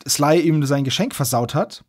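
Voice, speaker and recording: Casual male podcast host, slightly high-pitched, colloquial recapper with mock outrage, dry studio-like sound. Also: moderate pace, slightly rough, dry recording. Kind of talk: casual chat, recapping and commenting on an audio drama.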